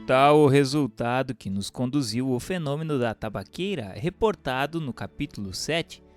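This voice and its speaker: A man giving a measured, formal reading of a spiritist book as narrator. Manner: measured, formal reading with lively pitch swings. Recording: reading with faint music underneath.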